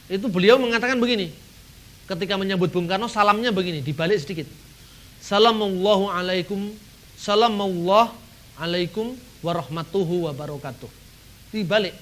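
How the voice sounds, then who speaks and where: A middle-aged man from Indonesia giving an animated seminar talk, acting out dialogues and chuckling now and then. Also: fairly high pitch, quick pace. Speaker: seminar speaker.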